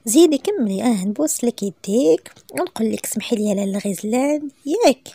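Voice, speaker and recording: A woman's voice: a little high, brisk, vocal fry, dark tone, no echo. A woman voicing a teasing, affectionate young husband with a Moroccan accent.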